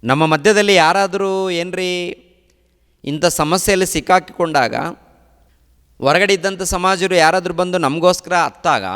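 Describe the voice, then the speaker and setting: A male pastor delivers a sermon in emphatic, rhythmic phrases, piling up repeated lines one after another. His voice sits somewhat high for a man. A long reverb tail hangs behind every phrase. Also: fairly bright tone. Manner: repetitive emphatic preaching, listing phrases in threes.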